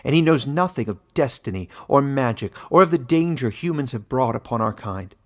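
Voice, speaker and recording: A man's voice: mid-range voice, lively intonation, brisk, pitched above the performer's own voice, lightly acted. Man voicing a commanding, growling black she-wolf. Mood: growling, angry. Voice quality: rich, growling. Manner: commanding, scornful. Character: fierce, commanding female black wolf, angry and distrustful.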